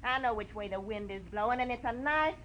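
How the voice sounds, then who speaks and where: A woman's voice: on the high side, fairly quick, fairly bright tone, lo-fi sound, natural voice. An actress playing a brassy, hot-tempered, tough-talking young girlfriend in a 1940s radio detective drama. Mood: angry. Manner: slangy, tough-talking, defiant. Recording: old radio recording with background noise.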